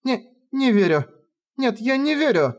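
Shrill young woman lieutenant, frantic and bossy, put on by a man; pitch way up. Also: wildly swooping pitch, normal speed, slightly rough, full character voice. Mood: distraught.

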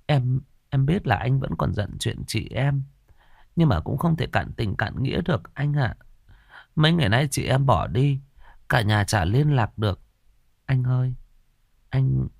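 A man's voice: medium pitch, animated, a little slow, creaky, pauses often, darkish tone, no echo, studio quality, pitched above the performer's own voice. A man voicing a young woman in her twenties who stammers and pleads hesitantly. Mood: pleading.

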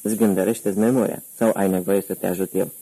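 A man voicing a cold gangster who interrogates with quiet threats, in a deep gravelly voice. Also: little pitch movement, dry recording, rough recording. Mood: menacing. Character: menacing middle-aged male gangster, cold interrogator.

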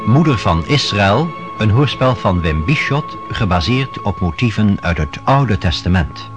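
A male announcer reads scripted radio drama titles in a fairly low voice. His intonation moves widely, and loud music plays behind him. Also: lively intonation, unhurried.

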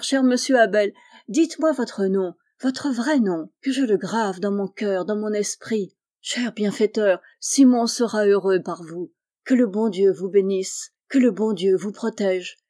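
A woman's voice: mid-range voice, unhurried, mellow, close to an everyday voice. A woman reading aloud, voicing a poor young boy who pours out his tearful, fervent gratitude.

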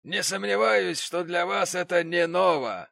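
Pompous wealthy father in an audiobook, voiced by a male reader: lofty, indignant, slow, dry close sound. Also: high voice, gravelly, fairly bright tone, dry recording, pitched above the performer's own voice, heavily acted. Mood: haughty. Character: pompous rich middle-aged father, a brass founder. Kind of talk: audiobook character reading.

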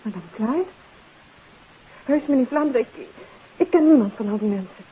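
A woman's voice: a little high, expressive, moderate pace, breathy edge. A woman playing a guarded, independent young daughter in a 1950s radio play, defiant and reluctant in clipped replies. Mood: guarded, defensive. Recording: tinny, hissy 1950s radio recording.

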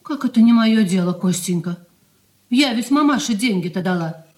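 An actress playing a fussy married daughter who pleads and tries to keep peace in the family in a radio play. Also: female voice, mid-range voice, expressive, normal speed, darkish tone, close to an everyday voice. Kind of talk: 1980s studio radio play acting.

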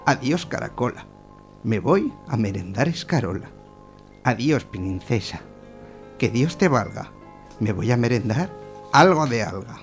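A man's voice: mid-range voice, very animated, unhurried, pauses often, faint music behind. A man voicing a theatrical, sing-song children's poem dialogue between a curious girl and a seashell. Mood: playful, sing-song.

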